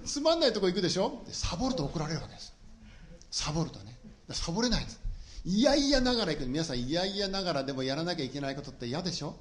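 A middle-aged pastor delivers a sermon quickly and with animation, his slightly high voice rising and falling freely. He shares humorous personal stories with the congregation.

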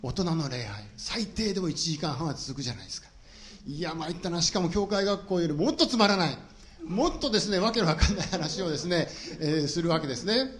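Lively, quick-talking male preacher. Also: high voice. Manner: humorous personal storytelling to a congregation. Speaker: pastor. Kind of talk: sermon.

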